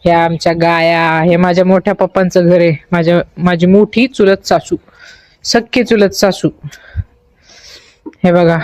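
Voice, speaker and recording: A chatty woman, talking into her phone outdoors on a family farm. Her nose is stuffed up from a cold, yet she keeps narrating and breaking into high cooing for her baby. The sound is dry and close, with no room echo. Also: a little mellow. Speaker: family vlogger. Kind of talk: casual vlog narration.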